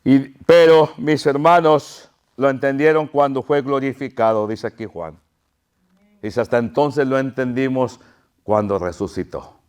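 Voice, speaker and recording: Slow, clear-voiced man preaching a sermon. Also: medium pitch, darkish tone. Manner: impassioned preaching, crying out quoted pleas; addresses the congregation as brothers. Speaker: pastor.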